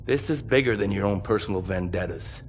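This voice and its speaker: An actor playing a grave, commanding mercenary officer in a video game cutscene, speaking in a measured, authoritative way. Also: male voice, on the low side, a little hiss or hum, close to an everyday voice. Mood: stern. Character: grave, commanding male mercenary officer briefing his unit. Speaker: military commander. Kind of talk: dramatic game cutscene acting.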